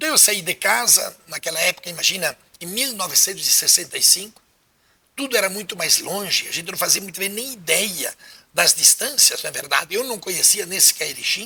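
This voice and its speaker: A high-pitched man at a fairly quick pace, with lively intonation and big swings in loudness. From southern Brazil, interior of Rio Grande do Sul. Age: 70s. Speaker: priest. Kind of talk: interview testimony.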